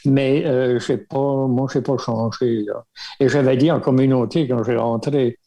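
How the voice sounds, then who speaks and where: An older Acadian man from Baie Sainte-Marie, with a gravelly, mellow voice. He reminisces in an easygoing way, breaking his sentences with fillers and light chuckles. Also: medium pitch, fairly even intonation, measured pace, a little hiss or hum. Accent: Acadian French from Baie Sainte-Marie. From Baie Sainte-Marie, Nova Scotia. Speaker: guest, religious brother. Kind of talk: casual storytelling interview.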